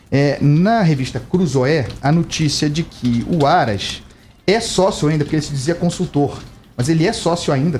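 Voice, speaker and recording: A man from Brazil giving emphatic, indignant political commentary on live radio, his voice climbing sharply when he stresses a point. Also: slight background noise. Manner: emphatic, indignant, animated pitch rises. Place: radio studio.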